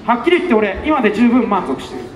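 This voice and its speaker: Outside a busy station, an election campaign speaker with a high, expressive voice delivers a quick, impassioned street speech. He is fiery and rhetorical, repeating questions and bursting into shouts, while the outdoor PA sound echoes over faint music.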